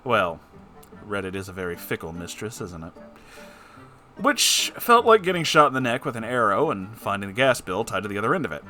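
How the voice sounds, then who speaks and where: A man's voice: lowish voice, big pitch swings, a little fast, pushed and bright, soft background music. A man hosting a letter-reading show, performing listeners' letters expressively and answering with wry, conversational advice. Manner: theatrical, wry asides.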